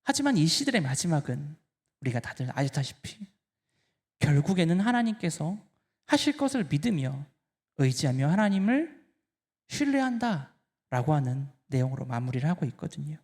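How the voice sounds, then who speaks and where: A male pastor delivers an impassioned sermon, his pitch leaping and falling in a lively, animated way. He drops to near-hushed lines and then rises hard, speaking directly to the congregation as he preaches. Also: normal speed. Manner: impassioned, swinging between hushed and loud.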